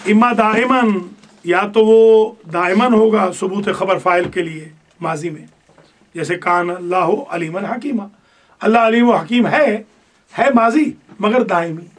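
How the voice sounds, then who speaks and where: A man teaching a classroom grammar lesson to religious students, stern and quick to correct them. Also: sits high.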